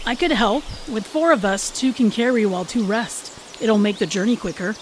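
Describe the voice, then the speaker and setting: A young female wolf from an audio drama played by a man, pitched up high. She is earnest and eager to join, submissive yet proud, and speaks in measured phrases. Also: lively intonation, a little hiss or hum. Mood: earnest offering.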